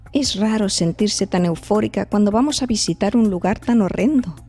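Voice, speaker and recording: An actress playing an eager, thoughtful young investigator in a horror audio drama. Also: female voice, medium pitch, warm tone, lightly acted.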